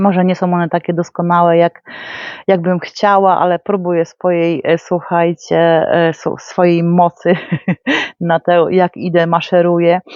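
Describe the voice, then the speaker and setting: At a moderate pace, a woman with a fairly low pitch speaks in a flat monotone at very even loudness. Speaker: gardening vlogger. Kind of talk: casual vlog talk to camera.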